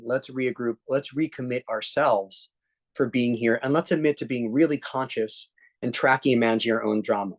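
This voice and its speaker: A man speaking as an executive coach at a workshop, earnest, often checking in with "right?" and restarting sentences. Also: medium pitch. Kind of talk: workshop talk to a live group.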